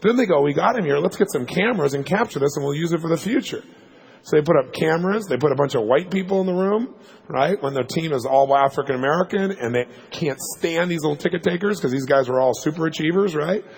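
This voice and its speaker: A man telling a story to a live audience as a motivational speaker, fast and punchy, checking in with "right?" asides. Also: fairly high pitch, animated, gravelly, breathy edge. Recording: long hall reverb.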